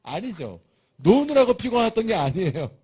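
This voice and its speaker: A man preaching a sermon in a lively, conversational and humorous way, with a husky voice. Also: sits high, normal speed.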